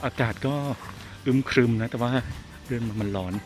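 A man's voice: mid-range voice, moderate pace, over music. Chatty man vlogging on foot. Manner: chatty, exclaiming, talks to viewers as everyone. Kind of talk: casual walking vlog. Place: outdoors on a street and in a garden cafe.

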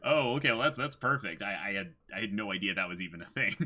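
A man's voice: lowish voice, expressive, fairly quick, sharp tone. A man in his twenties chatting casually and making jokey commentary as co-host of a comic reading. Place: indoors, small room against a backdrop.

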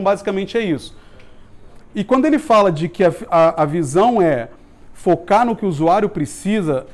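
A man in his thirties with a Brazilian accent, giving a casual, jokey meetup talk in a small office room, recorded from a far camera. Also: high voice. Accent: Brazilian Portuguese. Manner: informal, jokey, swears casually, lively hand gestures. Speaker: meetup speaker on UX.

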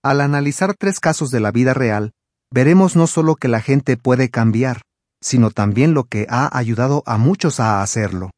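A man giving calm, scripted narration for a religious video, explaining things clearly. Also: mid-range voice, normal speed, dry recording, clean studio sound.

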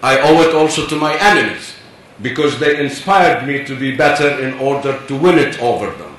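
Animated and earnest, a man in his seventies from Palestine insists on his points during a personal speech on a conference panel. His voice is medium-pitched and fairly bright, at normal speed. The large conference hall sounds echoey through a distant mic, with faint hiss.

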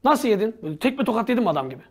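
Male teacher, high voice, very animated intonation, energetic, slangy, joking lecture. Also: racing. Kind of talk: lively grammar lecture.

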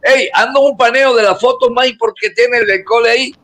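A male radio host speaks in a very high voice. He interjects eagerly and pushes his guest with quick questions. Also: fairly even intonation, sharp tone.

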